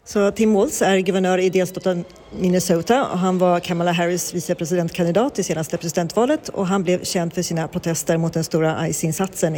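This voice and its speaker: A woman's voice: on the low side, a little mellow. A woman radio reporter with a Swedish accent, asking interview questions with many hesitant ums.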